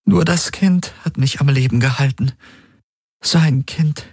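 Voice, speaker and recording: A man's voice: mid-range voice, measured pace, a little mellow, husky, no room sound, pitched above the performer's own voice. A man voicing Ylana, a grieving young woman close to tears, in a trembling, pleading voice, in an audiobook. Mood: tearful.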